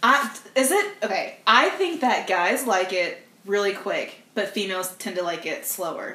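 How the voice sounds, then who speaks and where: Against noticeable background noise, a woman with a fairly high pitch and lively intonation speaks at a fairly slow pace with hardly any pauses. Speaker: comedy podcast host. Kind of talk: casual chat.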